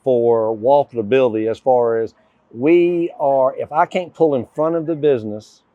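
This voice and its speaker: A man's voice: mid-range voice, moderate pace, no echo, phone-quality sound. A man hosting a local talk show as mayor, talking conversationally and building emphatically when he argues a point. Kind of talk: conversational interview.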